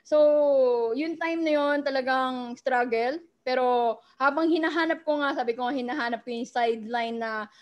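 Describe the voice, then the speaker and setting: High-voiced chatty Filipino woman. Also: normal speed. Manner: chatty, keeps asking "di ba?". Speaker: guest speaker sharing her story. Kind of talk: personal testimony talk. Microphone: video call.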